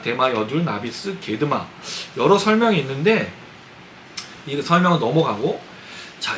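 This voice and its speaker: A pastor delivers a sermon in a lively, up-and-down voice, often turning to his listeners with questions. His voice sits a little high for a man, and a faint hiss runs under it. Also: rough recording. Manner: conversational preaching, asks the congregation questions. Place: church sanctuary.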